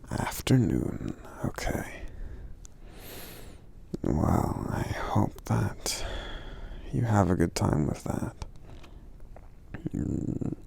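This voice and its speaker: A man playing a friendly, polite, protective giant in soft-spoken ASMR roleplay, breathy and gravelly, with hesitant, hum-filled pauses. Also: a bass voice, exaggerated voice. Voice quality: breathy, gravelly, half-whispered. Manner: hesitant, courteous, unhurried, pausing with hums.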